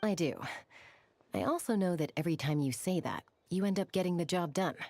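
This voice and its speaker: A woman voicing a calm tribal woman in a video game cutscene who speaks in a reassuring way. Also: on the low side, a little fast. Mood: dry.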